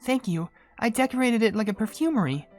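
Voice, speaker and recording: A man's voice: high-pitched, expressive, fairly quick, darkish tone, soft background music, pitched above the performer's own voice. A man voicing a gracious, earnest female cookie perfumer from a video game, with polite, formal phrasing. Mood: welcoming. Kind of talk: video game cutscene character voice.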